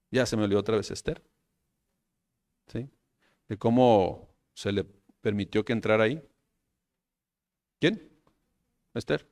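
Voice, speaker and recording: A pastor with a Mexican Spanish accent preaching a sermon, animated, often checking with his listeners and calling them brothers. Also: on the low side, gravelly, dry recording.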